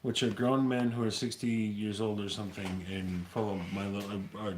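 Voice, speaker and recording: A man's voice: on the low side, little pitch movement, normal speed. A man hosting a casual livestream chat through a tablet mic, cracking crude jokes. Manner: crude joking banter. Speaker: livestream host. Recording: echoey room with faint noise.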